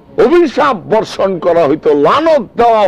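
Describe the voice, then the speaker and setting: A man's pitch swings very widely. Background noise is noticeable. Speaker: sufi preacher. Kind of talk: sermon.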